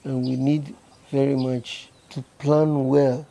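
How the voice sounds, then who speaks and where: An older man with a Ghanaian English accent speaks on an outdoor terrace through a clip-on mic. His voice is dark and gravelly, and he takes his time, repeating words as he gathers his thoughts. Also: mid-range voice, level tone. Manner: slow, deliberate, repeats words. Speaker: livestock farmer guest. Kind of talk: interview answers. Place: outdoor terrace with hills behind. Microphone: lapel mic.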